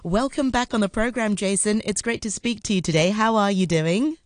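A woman's voice: mid-range voice, fairly quick, no echo. A woman hosting a radio interview, asking questions in a friendly, slightly rambling way. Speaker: radio host. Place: Hong Kong radio studio.

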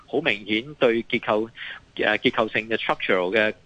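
A man's voice: lowish voice, normal speed, sharp tone, highs cut off. A man with a Hong Kong accent giving live market commentary as a guest analyst, hesitating, repeating phrases and mixing in English terms.

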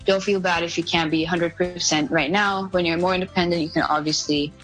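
A woman's voice: on the low side, fairly even intonation, brisk, fairly bright tone, soft background music. A woman in her late teens from India, answering interview questions in a casual, chatty way with lots of "like" fillers. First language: an Indian language other than Hindi. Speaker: guest.

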